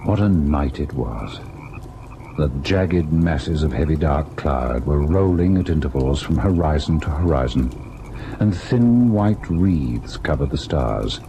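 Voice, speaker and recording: A man's voice: extremely low pitch, expressive, measured pace, warm tone, heavily acted. An actor playing a devoted young husband who narrates his ghost encounter in theatrical, literary radio-drama style. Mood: brooding. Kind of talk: dramatic old-time radio first-person narration. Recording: noisy old radio drama recording.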